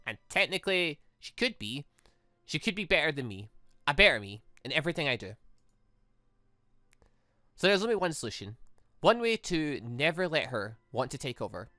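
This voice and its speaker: Visual novel android girl, read by a let's player: devoted, earnest, slightly halting, bright and dry. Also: medium pitch, sing-song, no room sound, soft background music. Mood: determined. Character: earnest young female android, devoted and determined.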